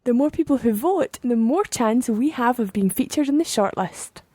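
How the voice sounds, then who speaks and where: A woman's voice: fairly high pitch, lively intonation, unhurried, warm tone, no echo. A woman co-hosting a language podcast, trying out sentences as the learner and reading announcements. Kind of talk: podcast lesson.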